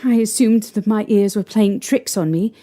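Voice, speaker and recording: A woman playing a young mother shaken by strange happenings, recalling them in a halting, hesitant way. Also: mid-range voice, dark tone, natural voice. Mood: uneasy. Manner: hesitant, halting recollection with restarts. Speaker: interviewee recounting events. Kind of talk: fan audio drama acting. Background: faint music.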